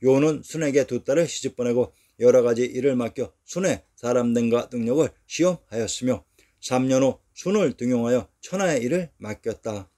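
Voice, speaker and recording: A man reading a scripted history narration in an even, measured way, going through lists one by one. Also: medium pitch.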